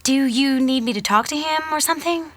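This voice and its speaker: Bright, high-pitched excitable teen schoolgirl. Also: brisk, dry recording. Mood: incredulous, curious. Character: excitable, wisecracking fifteen-year-old schoolgirl from the future. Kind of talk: fiction podcast voice acting.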